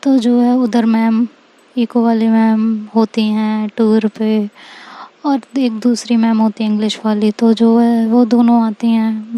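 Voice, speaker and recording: Brief: woman storyteller, casual loose retelling, mellow and fairly monotone, a bit high. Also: no room sound. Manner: loose retelling with filler phrases.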